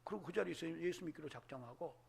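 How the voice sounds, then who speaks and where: A man preaching a sermon as a pastor, telling a story in hushed whispers and building to impassioned, shouted exhortation. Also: on the high side, quick pace, creaky. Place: church sanctuary.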